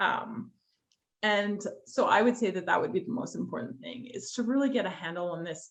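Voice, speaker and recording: In a Canadian accent, the speaker uses an unremarkable speaking voice at a fairly quick pace with ordinary pitch variation. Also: woman. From northwestern Ontario, Canada. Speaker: academic keynote speaker. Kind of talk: Q&A answer in online talk.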